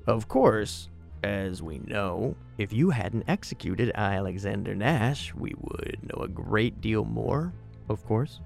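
A man's voice: on the low side, lively intonation, slow, vocal fry, darkish tone, faint music behind. A man acting in a comedic audio drama, with a sardonic, grumbling delivery. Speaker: amateur audio drama actor.

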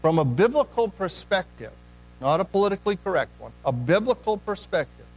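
A man's voice: high voice, very animated, fairly quick, low-quality recording. Earnest man preaching a sermon. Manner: earnest, asks the congregation direct questions. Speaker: pastor. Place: church.

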